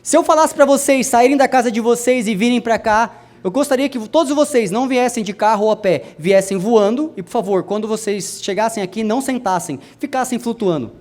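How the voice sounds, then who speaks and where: A young adult man preaching a sermon to a congregation, speaking to them directly and swinging his voice from soft to loud. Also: brisk, hardly any pauses. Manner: addresses the congregation directly, wide swings in pitch and loudness.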